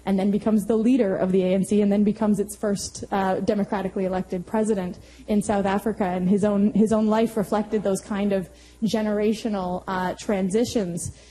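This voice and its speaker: A woman history professor giving thoughtful panel remarks to a university audience, pausing often to find her words. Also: mid-range voice, little pitch movement, warm tone, rough recording.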